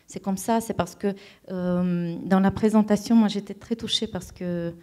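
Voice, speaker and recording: Soft-toned woman. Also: medium pitch, fairly even intonation, normal speed. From Romania. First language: Romanian. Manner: thoughtful, searching for words with frequent restarts. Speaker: playwright and director, guest. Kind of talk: reflective interview answers.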